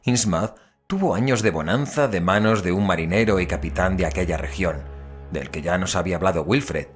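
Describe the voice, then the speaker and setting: An actor playing an investigator who recounts a cursed town's grim history in expressive, deliberate Castilian Spanish for an audio drama. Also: male voice, low-pitched. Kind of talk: scripted audio drama narration.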